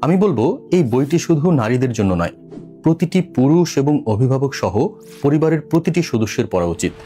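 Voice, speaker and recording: A male voice-over artist reads a scripted promotional book review in a measured, persuasive, explanatory way. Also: mid-range voice, animated, dark tone. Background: faint background music.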